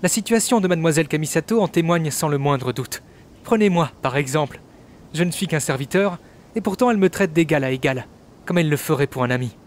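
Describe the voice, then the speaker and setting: A man's voice: a little high, lively intonation, fairly quick, a little hiss or hum, lightly acted. A man playing an affable young servant of a noble clan in a game dub, speaking politely and formally. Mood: affable, admiring. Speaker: amateur voice actor dubbing a game character. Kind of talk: scripted game dialogue dub.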